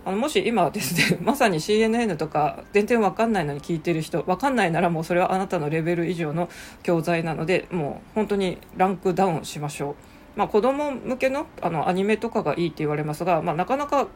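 A woman's voice: lowish voice, fast talker, darkish tone, a little hiss or hum. A woman who teaches English, talking casually on her own show with lots of fillers and asides. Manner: chatty, frequent fillers and asides. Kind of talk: casual solo talk.

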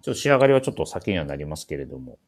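Male host, deep voice, casual radio chat, drily teasing co-presenters. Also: sing-song, very fast. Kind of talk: casual talk show chat with event announcements.

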